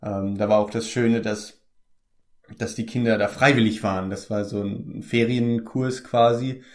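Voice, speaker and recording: Easygoing young German actor, low voice. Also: male voice, fairly even intonation, unhurried. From Germany, Palatinate. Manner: hesitant, many fillers and restarts, easygoing. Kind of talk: casual interview chat.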